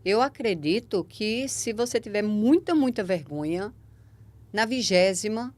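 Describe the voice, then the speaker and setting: A woman hosting a podcast conversation in a Brazilian Portuguese accent. She talks in an emphatic, encouraging way and keeps checking agreement with her guest. Her voice sits at an ordinary middle pitch. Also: expressive, unhurried, a little mellow. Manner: emphatic, encouraging, tag questions. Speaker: podcast host. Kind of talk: conversational interview.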